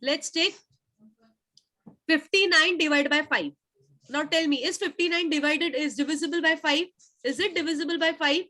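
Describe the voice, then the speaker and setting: A woman's voice: sits high, normal speed, long pauses, bright, forceful tone. A woman with a South Asian accent teaching an interactive maths lesson online, repeating her questions insistently to pupils.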